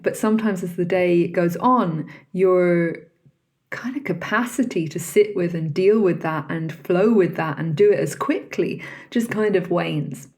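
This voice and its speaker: A woman with a slightly low voice and an unhurried pace hosts a solo podcast. She talks in a reflective, conversational way, often turning to the listener with questions. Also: darkish tone. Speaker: podcast host.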